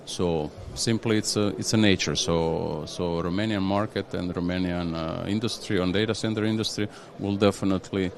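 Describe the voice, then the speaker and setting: A man speaking as an executive guest, his voice sitting very low. He talks haltingly, restarting phrases and checking in with "yeah?". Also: fairly even intonation, gravelly. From Croatia. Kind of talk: conversational interview.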